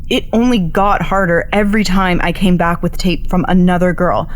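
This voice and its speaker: A woman's voice: lowish voice, fairly even intonation, moderate pace, close to an everyday voice. An actress playing a stubborn, bitter young woman journalist in a naturalistic audio drama, blunt and sarcastic as she argues. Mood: defiant.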